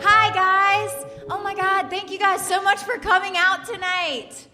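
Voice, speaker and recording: A woman's voice: very high-pitched, level tone, measured pace, loud music behind the voice. A woman casually and informally introducing a live comedy show from a theater stage. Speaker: comedy troupe host. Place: theater stage before audience.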